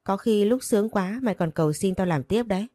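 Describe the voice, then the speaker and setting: A woman's voice: medium pitch, a little fast, dark tone, dry recording, close to an everyday voice. A woman reading a story voices a drunk, brutal young husband who snarls threats. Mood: bullying. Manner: snarling, bullying.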